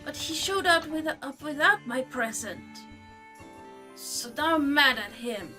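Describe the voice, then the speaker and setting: A woman's voice: high voice, lively intonation, a little slow, bright, forceful tone, soft background music, voice pushed up, exaggerated voice. A woman voicing a tiny, frail, leaf-hooded forest creature that talks in a childlike, stammering way. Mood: sulky.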